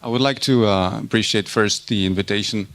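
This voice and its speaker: A man's voice: on the low side, a little fast, fairly bright tone. A man in his thirties from the Republic, speaking. He gives an academic conference talk and often stops to repeat words while he searches for the next one. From Czech Republic. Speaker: university lecturer presenting research.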